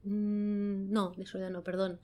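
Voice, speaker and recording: A woman from gives an interview as a guest. She speaks colloquially at a medium pitch, telling stories in an animated, spontaneous manner. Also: measured pace. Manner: animated storytelling, colloquial, acts out quotes. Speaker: guest, film director of photography. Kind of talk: casual interview chat, anecdotes.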